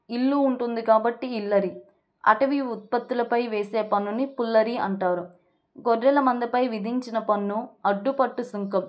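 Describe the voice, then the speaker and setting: A woman tutoring for exams, going over revision points and repeating each one like a drill. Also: a little high. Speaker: exam prep tutor. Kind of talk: exam revision lesson.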